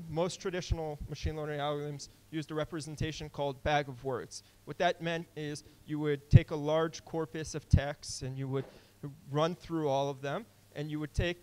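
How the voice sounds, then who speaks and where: A man's voice: on the high side, smooth. A young man giving a casual technical talk at a conference, with many fillers and restarts. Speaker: conference speaker. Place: conference hall.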